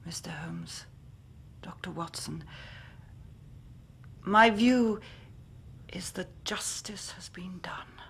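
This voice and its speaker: A frail, shaken young woman from a radio play, barely above a whisper. Her words come slowly and haltingly, with a gravelly fry and a rather low pitch. A faint hiss lies underneath. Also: fairly bright tone, exaggerated voice. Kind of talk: 1990s radio drama acting.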